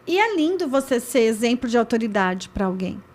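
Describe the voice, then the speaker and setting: A podcast host speaks in a high voice. She talks with emphasis and lists her points one after another in a casual conversation. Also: sing-song, a little fast, darkish tone.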